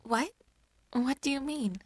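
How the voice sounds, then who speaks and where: An actress playing a worried, guarded young student in an audio drama, speaking earnestly and carefully. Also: female voice, high-pitched, unhurried, no room sound, studio quality. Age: young adult. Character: worried, guarded young woman student visiting her aunt. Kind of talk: scripted audio drama acting.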